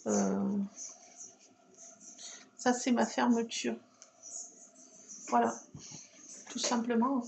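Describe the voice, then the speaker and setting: A woman's voice: on the high side, fairly even intonation, very slow, creaky, pauses often, darkish tone, a little hiss or hum, rough recording. A woman chatting casually to camera while she works on a craft project at her table, talking to herself as she goes. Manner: chatty, self-talking, fussing over her cat. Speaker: scrapbooking video host. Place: home craft table at night.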